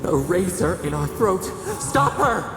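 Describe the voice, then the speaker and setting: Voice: mid-range voice, very animated, creaky, exaggerated voice. An actor playing an ancient imprisoned god speaking as many, anguished, pleading and menacing, with an echoing otherworldly effect. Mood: tormented, fearful. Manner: slow, grieving, speaks of itself as we. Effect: echoing reverberant god-voice processing. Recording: cavernous reverb, distant, music behind.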